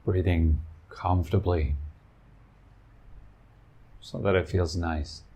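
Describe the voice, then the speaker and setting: Male meditation teacher: very low, gravelly voice, soothing short phrases, gentle guided instruction. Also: fairly even intonation, a little hiss or hum. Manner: soothing, unhurried pauses between short phrases.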